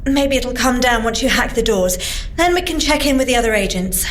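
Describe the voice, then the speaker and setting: A woman playing a sensible, gently exasperated young scientist agent in an audio drama. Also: on the high side, animated, brisk, slight background noise, natural voice. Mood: amused, practical. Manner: precise, articulate, gently chiding. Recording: echoey, music bed underneath.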